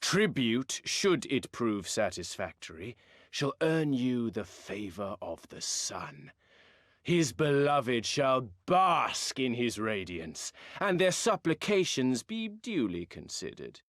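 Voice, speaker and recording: An actor playing a haughty, condescending sun-worshipping tribal ruler in a video game, speaking in grandiose, archaic phrases. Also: male voice, medium pitch, big pitch swings, slow pace, fairly bright tone, dry recording, clean studio sound. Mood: grand, condescending. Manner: pompous, archaic formal speech. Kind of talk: theatrical video game cutscene acting.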